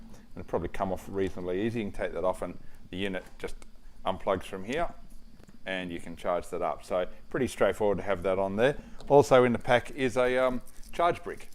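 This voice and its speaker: A man with an Australian accent talks through gear in a casual, unscripted review style. His voice sits a little low and his delivery is plain-spoken and matter-of-fact. Some ambient noise runs behind him. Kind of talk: casual product review to camera.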